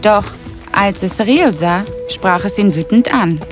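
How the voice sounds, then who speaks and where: A woman's voice: mid-range voice, expressive, slow pace. A woman storyteller reading a scripted children's fairy tale. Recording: clear music behind the voice.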